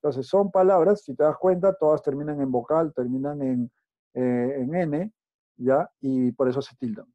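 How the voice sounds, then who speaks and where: A man's voice: mid-range voice, normal speed, warm tone, no room sound. A male teacher with a Peruvian accent, giving a recorded class and explaining step by step, often checking that students follow. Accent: Peruvian Spanish. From Peru. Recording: dull lo-fi recording.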